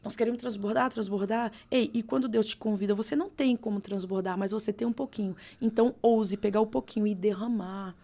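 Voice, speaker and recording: A woman pastor with a Brazilian accent, telling her testimony in a podcast interview with expressive, dramatic storytelling. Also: mid-range voice, a little fast, few pauses. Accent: Brazilian Portuguese. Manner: expressive, dramatic storytelling with vivid reenacted dialogue. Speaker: pastor, guest.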